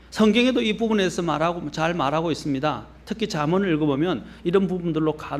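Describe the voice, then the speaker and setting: A middle-aged pastor delivers a measured, earnest sermon, his slightly high voice carrying a faint Gyeongsang accent. He climbs in pitch and force to drive home each point, then drops low and soft as phrases close. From Gyeongsang region, Korea.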